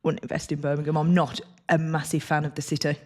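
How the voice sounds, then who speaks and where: A woman's voice: low voice, level tone, fast talker. A woman with a Black Country accent co-hosting a podcast in casual chat, easygoing and agreeable, often answering with short "yeah"s. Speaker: podcast co-host.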